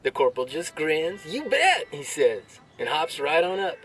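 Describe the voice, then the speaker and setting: An actor playing a brash, crude army soldier telling jokes with swaggering military banter and drawn-out delivery. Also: male voice, on the high side, sing-song, fairly bright tone, far from the mic, faint music behind. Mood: cocky, joking. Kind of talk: military banter, performed joke storytelling.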